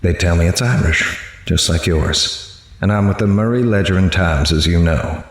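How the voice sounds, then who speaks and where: An actor playing a grave, observant newspaper reporter, narrating a horror audio drama in the first person in a measured, literary way. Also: male voice, deep voice, breathy edge, no room sound. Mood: dry, frank. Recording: music behind the voice.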